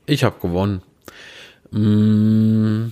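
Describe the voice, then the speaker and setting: A man's voice: on the low side, flat delivery, very slow, warm tone, smooth. A man reading out puns in a dry, plain way, with self-mocking asides, recorded indoors on a handheld recorder set on a small tabletop tripod. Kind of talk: casual joke reading.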